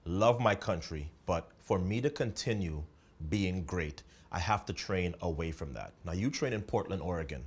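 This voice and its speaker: A man's voice: sits low, animated, normal speed, husky. A man hosting a sports interview, asking leading questions and setting up topics at length. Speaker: interviewer, host.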